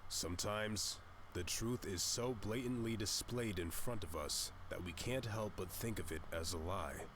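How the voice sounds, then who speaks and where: A solemn visual novel detective acted by a man delivers grand deductions in a lowish voice. He is pompous and utterly sure of himself, with faint background noise. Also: measured pace. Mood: pompous, assured. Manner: dramatic, pompous pronouncements. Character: solemn, self-assured male detective in costume. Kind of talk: visual novel character acting.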